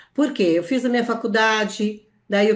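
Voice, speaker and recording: In a plain, everyday voice, a woman talks at a moderate pace with ordinary pitch variation. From interior of Paraná, Brazil. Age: 60s. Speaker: HR company founder. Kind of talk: interview.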